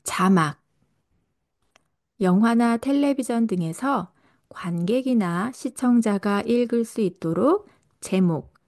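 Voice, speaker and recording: Slow, mellow woman teaching. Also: fairly high pitch. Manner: slow, careful delivery for learners. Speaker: Korean language teacher and podcast host. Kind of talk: scripted podcast narration for learners.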